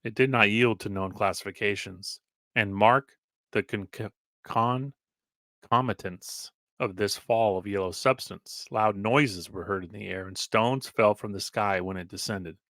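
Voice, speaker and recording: A man reading an old article aloud as dramatic narration, measured and deliberate, with emphatic pauses and the odd stumble. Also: lowish voice, fairly even intonation, fairly bright tone, no room sound. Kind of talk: dramatic read-aloud narration of archival text.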